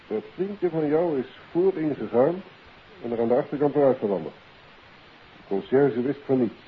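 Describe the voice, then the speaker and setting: An actor playing a brisk, businesslike police inspector in a 1950s radio drama. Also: male voice, mid-range voice, lightly acted. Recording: hissy, narrow-band 1950s radio recording.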